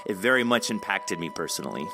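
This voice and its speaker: A man's voice: sits low, animated, quick pace, vocal fry, music in the background. A man hosting a podcast in a casual conversational way, appreciative and encouraging toward his guest. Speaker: podcast host. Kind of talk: casual interview chat.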